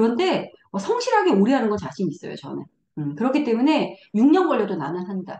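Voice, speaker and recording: A somewhat breathy woman talks at a fairly quick pace in a fairly high voice, with very wide pitch swings. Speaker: network marketing business leader. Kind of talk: motivational seminar talk. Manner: fast.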